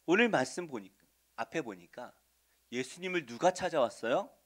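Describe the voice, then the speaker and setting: Brief: male pastor preaching in a church, slightly raised pitch, keeps asking the pews questions, dynamic shifts from loud to quiet. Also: expressive, moderate pace. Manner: asks the congregation questions and answers them; swings between loud stresses and soft asides. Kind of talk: Sunday sermon. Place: church sanctuary.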